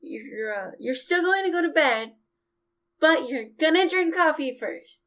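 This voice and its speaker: Actress as bossy exasperated young woman, higher voice, scolding n sarcastic, audio drama. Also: expressive, unhurried, a bit bright. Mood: reluctant.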